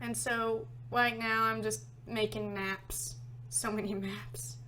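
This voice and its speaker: A woman talks at a very slow pace in an American accent. Audible room echo is present. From US Deep South. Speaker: game developer. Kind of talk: casual chat.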